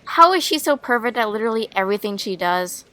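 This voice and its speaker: A woman voicing an anxious, clumsy, dramatic schoolgirl in an animated web series, with a whiny, exasperated manner. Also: a little high, fast talker. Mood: gloomy envy. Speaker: voice actor in a fan-made Roblox school series.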